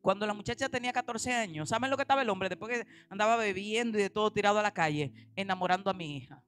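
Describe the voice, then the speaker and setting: A woman pastor delivers a lively sermon at a middle pitch. She swings from loud, emphatic lines to quiet, close asides. She talks straight to her congregation. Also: quick pace, faint music behind. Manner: animated preaching, acting out quoted voices.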